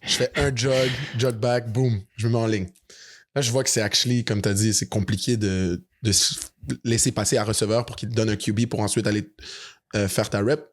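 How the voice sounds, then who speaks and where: A man's voice: lowish voice, normal speed. A Canadian man with a Quebec French accent, telling a story in a casual podcast chat and acting out quoted lines. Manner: animated, acts out quoted lines. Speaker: podcast co-host.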